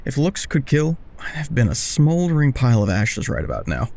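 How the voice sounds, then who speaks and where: A man's voice: medium pitch, very animated, a little fast, creaky, a little mellow. An actor with an American accent playing a hapless, charming young man who tells his own story in an audio drama with wry self-deprecation. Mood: wry, rueful. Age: young adult. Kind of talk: audio drama first-person narration and dialogue.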